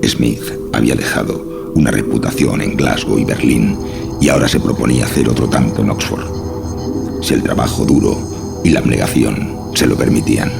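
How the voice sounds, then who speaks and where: A man with an extremely low voice, thick with gravelly creak, narrates a horror tale. His delivery is measured and literary. Music plays clearly behind him. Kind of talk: scripted narration of a horror story. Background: clearly audible music.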